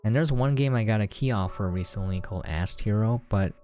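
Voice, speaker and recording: A man's voice: lowish voice, fairly quick, darkish tone. A man giving casual, unscripted gameplay commentary as a channel host, talking in a rambling, chatty way. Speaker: video game reviewer and channel host. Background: background music.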